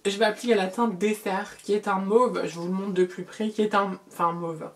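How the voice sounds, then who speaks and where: A middle-aged woman giving a casual makeup tutorial as a beauty vlogger, chatty, repeating words and filling pauses. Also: medium pitch, fairly even intonation.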